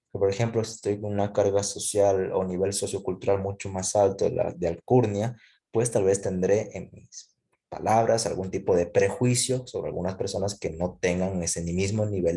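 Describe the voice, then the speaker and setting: A man's voice: fairly low pitch, dark tone. A man teaching a class, explaining step by step and often checking in with his listeners. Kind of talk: classroom lecture.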